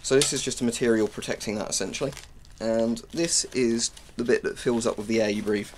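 A man's voice: mid-range voice, a little fast. A British man in his twenties giving an informal, rambling explanation as he demonstrates gear. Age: 20s. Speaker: presenter of military gear reviews. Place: small cluttered room at home. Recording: clearly noisy home-room recording.

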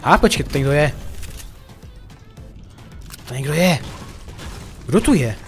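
A man chatting playfully over his gameplay, addressing his viewers as friends. His voice sits somewhat high and swings widely in pitch. Faint game music plays underneath. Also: big pitch swings. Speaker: gaming YouTuber. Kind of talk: casual gameplay commentary.

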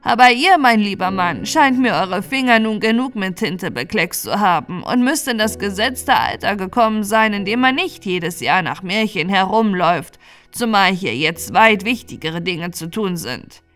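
A woman's voice: medium pitch, expressive, moderate pace, a bit bright, soft background music, close to an everyday voice. A woman voicing a talkative, bossy old moor witch in a fairy tale, insistent and lecturing. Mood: brisk, bossy.

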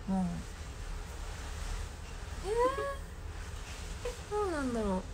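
A woman's voice: on the high side, very animated, takes it slowly, background noise. A young woman, chatting casually on a live stream alone in her room and reacting to viewer comments. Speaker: idol livestreamer.

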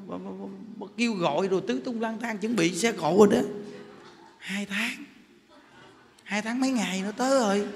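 A man, a Buddhist monk, giving a casual, anecdote-filled Dharma talk, often laughing and turning to his listeners. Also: high-pitched. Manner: chatty, laughing often, turning to the audience with "quý vị". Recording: long hall reverb with faint noise.

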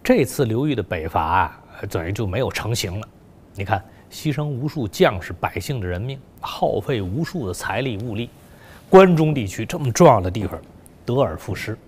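Lively-pitched male history storyteller. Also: moderate pace, slightly rough. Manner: colloquial, filler-heavy storytelling. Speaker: history lecturer. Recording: long hall reverb.

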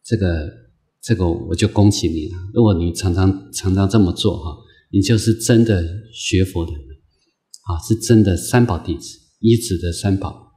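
A man lecturing as a Buddhist monk, his voice low and warm, never sharp. He circles back over the same phrases and moves through the talk patiently, filling gaps with soft drawn-out sounds. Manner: gentle, repetitive phrasing with many drawn-out "ah" fillers; slow, patient, coaxing delivery. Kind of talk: unscripted dharma lecture.

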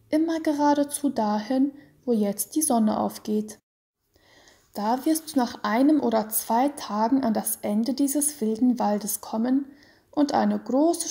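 A woman voicing a sick young mother in a storybook reading, speaking softly and weakly, often half-whispered. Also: on the high side. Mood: tender. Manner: soft, weak, half-whispered.

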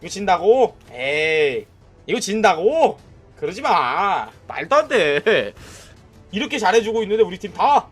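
Male game streamer, thirties, high husky voice, excitable trash-talking play-by-play. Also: measured pace, soft background music. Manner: excitable, shouting at enemies and cheering; trash-talking with frequent "nice" and "that's it". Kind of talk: live gameplay commentary.

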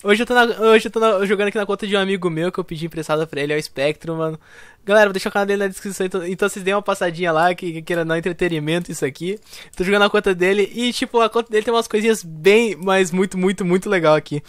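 A young Brazilian man giving casual, slangy commentary over his own gameplay, excitable at first and quieter once he is playing. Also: high voice, racing, dry recording. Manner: slangy, excitable intro then quieter focused play talk. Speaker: gaming YouTuber.

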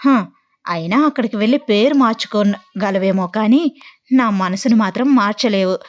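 A woman's voice: high-pitched, normal speed, darkish tone, natural voice. A woman voicing a mischievous young woman who fakes tearful heartbreak on a prank call. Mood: melodramatic. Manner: melodramatic, teasing, tearful. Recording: dull lo-fi audio.

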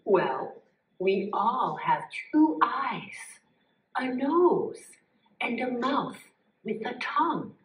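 A calm, inquisitive green snake, voiced by a woman, speaks slowly and thoughtfully in a live puppet show. The voice is a little high and sings up and down. It sounds roomy, as if picked up from across a stage. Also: far from the mic, muffled recording. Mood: musing. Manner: slow, thoughtful, politely questioning.

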